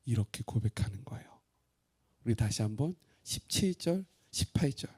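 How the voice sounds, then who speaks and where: A man pastor preaching a sermon expressively, asking his congregation questions and swinging between loud and hushed. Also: mid-range voice, lively intonation, normal speed, breathy edge.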